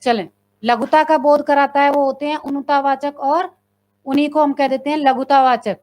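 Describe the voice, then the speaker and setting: A woman teaches a live exam-prep class in a high voice. She reads each question and its options aloud, asks her viewers to answer, and confirms the right option. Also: fairly even intonation, moderate pace, a little mellow. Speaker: Hindi teacher.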